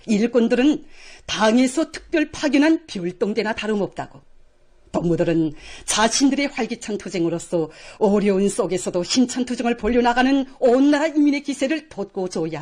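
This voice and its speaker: High-pitched North Korean woman news announcer. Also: darkish tone. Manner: solemn, reverent, declamatory delivery. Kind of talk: formal scripted news narration.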